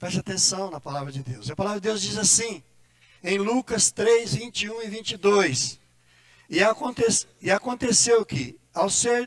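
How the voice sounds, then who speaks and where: Lively intonation marks a man's high-pitched voice at a fairly slow pace. The sound is dry and close, with no echo. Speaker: pastor. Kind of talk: sermon. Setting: church.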